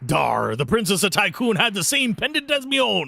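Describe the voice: This man puts on a character voice with a playful tone and a high pitch. He moves at a moderate pace.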